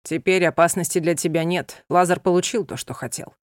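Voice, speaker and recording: A woman's voice: lowish voice, a little fast, no echo, studio quality, natural voice. A woman voicing a proud, stern young gypsy man who speaks coldly and curtly. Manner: cold, curt and commanding.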